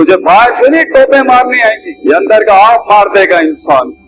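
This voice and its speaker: A man at an extremely high pitch with very wide pitch swings, music playing in the background. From Pakistan. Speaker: Islamic preacher / motivational speaker. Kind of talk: emotional religious sermon with motivational delivery. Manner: passionate, emphatic, rhythmic repetition.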